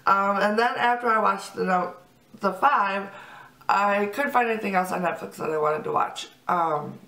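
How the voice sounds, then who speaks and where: A woman's voice: mid-range voice, moderate pace, sharp tone, roomy sound, recorded from a distance, low-quality recording. Congested chatty woman vlogger. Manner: chatty, upbeat, lots of fillers. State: congested from a cold. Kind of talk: casual chat to camera.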